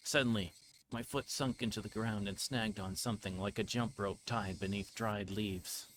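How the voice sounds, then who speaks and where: A man with a fairly low voice reads visual novel text aloud on a livestream. His delivery is measured and a little halting. There is clear background noise in the recording. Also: steady tone, fairly bright tone, rough recording. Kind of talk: reading game text aloud.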